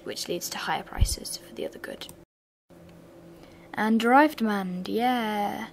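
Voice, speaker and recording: A young woman with a slightly raspy voice from a sore throat, talking through a revision lesson in a flat, bored-sounding way with chatty asides. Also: medium pitch, slight background noise. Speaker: revision channel host. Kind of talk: casual revision lesson voice-over.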